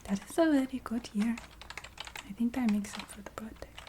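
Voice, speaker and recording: A woman playing a courteous, matter-of-fact vampire receptionist in a soft-spoken ASMR roleplay, half-whispering in a put-on Eastern European accent with halting, formal phrasing. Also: on the high side, background noise, close to an everyday voice. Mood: matter-of-fact, approving. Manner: halting, formal phrasing with small hesitant hums.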